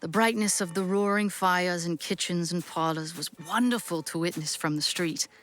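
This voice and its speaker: A woman narrating a classic story for an audio drama in an expressive, measured storybook style. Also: fairly low pitch, natural voice.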